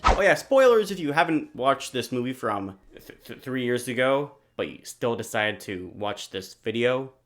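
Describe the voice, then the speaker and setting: A woman hosting a video essay in a casual scripted style, with sarcastic, self-deprecating asides and the odd stumble over words. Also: lowish voice.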